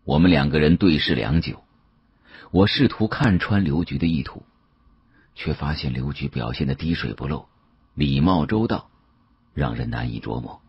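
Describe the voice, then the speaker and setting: A man's voice: a bass voice, animated, normal speed, vocal fry, pauses often, breathy edge, no echo. A man narrating a story dramatically in the first person as an audiobook reader. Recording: dull, muffled dry studio sound.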